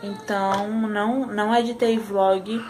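A tired young Brazilian mother chats into her camera at home in a loose, unscripted vlog style, sighing often between thoughts. Her voice sits at an ordinary pitch, with a faint hum of household noise behind her. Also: level tone, measured pace, a little mellow, poor audio. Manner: chatty, sighing, with frequent "ai" and "né". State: tired after a sleepless night. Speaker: vlogger and mother.

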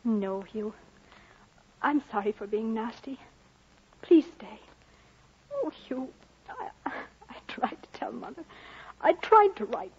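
A woman's voice: on the high side, sing-song, takes it slowly, long pauses, a little mellow, husky, exaggerated voice. An actress playing a proud, lonely young married Welsh woman, emotional and brittle, in 1940s radio acting. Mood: sorrowful. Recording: muffled old radio broadcast.

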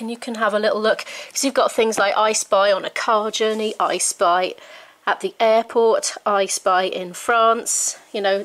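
A woman's voice: mid-range voice, a bit bright. Chatty woman vlogging while she unpacks. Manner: chatty, enthusiastic, thinking aloud while sorting. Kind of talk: casual vlog chat. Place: living room at home, indoors. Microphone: handheld camera mic, filming herself close up.

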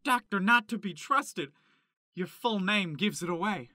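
A man's voice: high-pitched, lively intonation, unhurried, sharp tone, no echo, studio quality, full character voice. A man playing an earnest, naive young chicken farmer in a comedic audio drama. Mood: urgent alarm.

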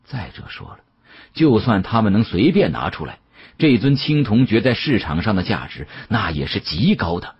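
A man narrating an audiobook as a dramatic storyteller, with an expressive, conversational delivery. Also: on the low side, moderate pace, husky, lo-fi sound.

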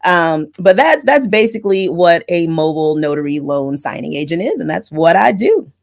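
A middle-aged woman with a somewhat low voice explains her work in a chatty, wordy way. She talks over a video call through an earbud mic from her home office. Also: expressive, moderate pace, vocal fry. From from Florida, raised in Texas. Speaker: mobile notary loan signing agent and channel host. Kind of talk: casual interview storytelling. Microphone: earbud headset on a video call.

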